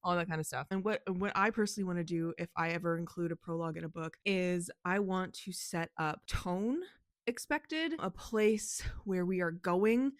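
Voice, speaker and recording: A woman vlogging about books and her writing in a casual, animated way, laughing and swearing often, her voice a little hoarse. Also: fairly low pitch, moderate pace, dry recording, clean studio sound. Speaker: book vlogger and author. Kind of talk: casual chatty vlog.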